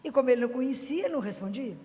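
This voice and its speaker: A woman with a Minas Gerais accent giving a lively Catholic preaching talk, chatty and folksy, often asking the audience questions. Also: high voice, racing. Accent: Minas Gerais Brazilian Portuguese. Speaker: Catholic lay speaker. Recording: long hall reverb.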